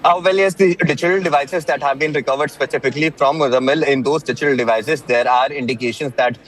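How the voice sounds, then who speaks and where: A man with an Indian accent reporting breaking news live, haltingly, with repeated words and many filled pauses. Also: mid-range voice, steady tone, a bit bright, low-quality recording.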